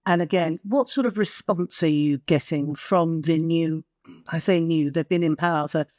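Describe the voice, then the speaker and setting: A woman hosting a news interview, asking probing questions with soft hesitations. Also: sits low, normal speed, no room sound, studio quality. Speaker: interviewer, host.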